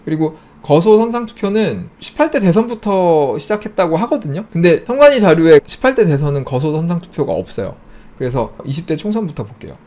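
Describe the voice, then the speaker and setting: A man hosting his own channel, casually walking through election figures on screen and listing regions in quick clipped phrases. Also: fairly high pitch, expressive, a little mellow. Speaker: YouTube host. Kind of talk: casual screen-share data walkthrough.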